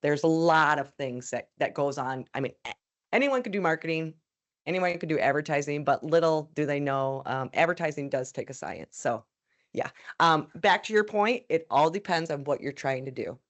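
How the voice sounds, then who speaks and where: A woman's voice: deep voice, animated, normal speed. Woman, advertising panelist, conversational, lots of fillers, live event talk. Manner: conversational, many fillers and restarts. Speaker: media sales panelist. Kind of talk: panel discussion answer. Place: event room with live audience.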